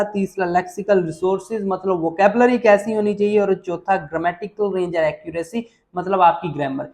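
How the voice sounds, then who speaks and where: A man's voice: sits high, a little mellow. Emphatic man teaching exam writing. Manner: emphatic, repeats warnings, addresses viewers as kids. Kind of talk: explaining on-screen examples to students.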